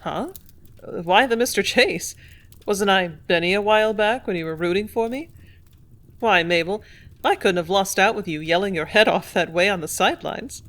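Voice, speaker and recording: A woman's voice: medium pitch, moderate pace, a bit bright, natural voice. A woman voicing a confident, easygoing young male factory boss. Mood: warm. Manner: easygoing, self-possessed.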